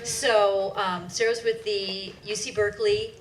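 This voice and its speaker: A woman host giving a chatty, relaxed introduction for the next speaker. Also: mid-range voice, unhurried. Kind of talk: friendly introduction at a talk. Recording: crowd murmur audible behind her.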